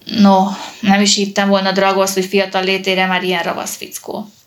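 A woman reading the lines of a calm, weary old male police captain in an audiobook. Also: medium pitch, natural voice. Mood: bitter.

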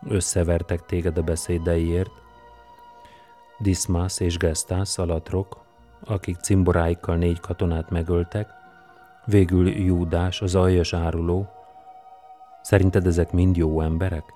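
A man's voice: deep voice, flat delivery, warm tone, faint music behind, lightly acted. A man reading an audiobook and voicing a fierce, weary Roman governor who is scornful and commanding. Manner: scornful and commanding, erupts into roaring rage.

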